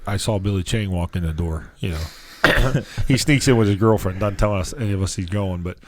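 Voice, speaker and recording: A man's voice: sits low, normal speed. A man on a podcast telling funny stories in a laid-back, jokey way, dropping "like" and "right?". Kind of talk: casual storytelling chat.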